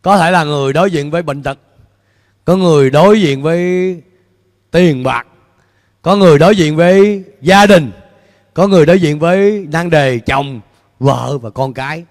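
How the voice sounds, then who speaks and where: High-voiced preaching man, lively. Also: normal speed, long pauses. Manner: animated preaching, questions to the congregation, gestures with free hand. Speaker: pastor. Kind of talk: sermon. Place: church stage before a large screen, indoors. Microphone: handheld mic. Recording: long hall reverb in a large church.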